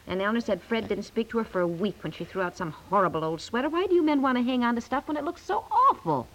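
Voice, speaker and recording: A woman's voice: fairly high pitch, animated, quick pace, a bit bright, poor audio. A woman playing a practical, exasperated housewife and mother in 1950s radio comedy, coaxing and chiding. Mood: placating. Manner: coaxing, chiding, matter-of-fact.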